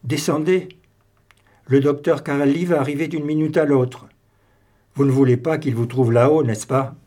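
A man's voice: a little high, steady tone, moderate pace, dark tone, lightly acted. A man voicing a blunt, impatient British army captain in an audiobook, brusque and emphatic.

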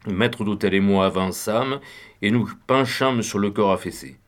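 Low-voiced male audiobook narrator. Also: normal speed. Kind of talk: scripted novel narration.

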